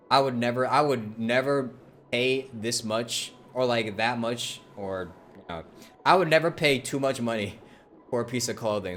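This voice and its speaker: A man talks off the cuff to a livestream in a medium-pitched voice. His delivery is informal and halting, like everyday conversation. Music plays softly behind him. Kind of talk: casual livestream chat.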